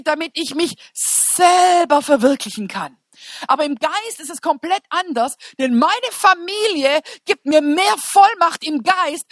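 A woman preacher giving an informal, humorous sermon in an animated, colloquial storytelling manner. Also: high-pitched, no echo, studio quality.

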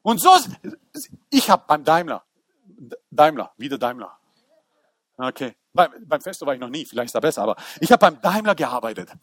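A man's voice: on the high side, normal speed, long pauses, dry recording, studio quality. A man preaching a casual, slangy sermon and telling stories with acted-out voices, talking straight to his listeners. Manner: animated storytelling with acted-out voices; informal, slangy, talks to the listeners directly.

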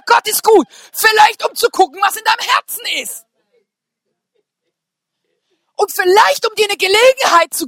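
A woman. She speaks casually and with humor, moving from soft asides to shouted declarations. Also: very high-pitched, no echo, clean studio sound. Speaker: preacher. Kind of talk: lively sermon to a congregation.

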